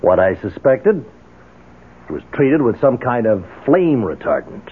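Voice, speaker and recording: An actor playing a shrewd, confident, dryly amused investigator in a 1970s radio drama. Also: male voice, medium pitch, very animated, measured pace, breathy edge. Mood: knowing, assured. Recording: muffled phone-like 1970s radio recording.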